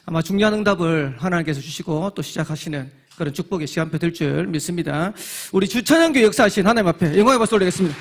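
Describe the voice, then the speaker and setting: A man's voice: sits high, animated, fast, few pauses. A man emceeing a church event, rousing the crowd and calling for applause.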